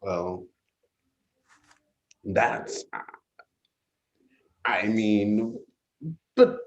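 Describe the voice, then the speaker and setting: A man playing an insecure, flirtatious gay man in a staged play reading, talking in halting, self-interrupting bursts. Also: lowish voice, fairly even intonation, muffled recording. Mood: defensive, vulnerable.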